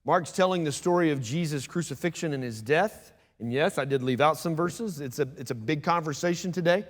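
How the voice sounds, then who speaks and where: A man preaching a sermon as pastor, talking fast and conversationally with asides to the congregation. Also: on the high side. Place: church sanctuary. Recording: long church hall reverb.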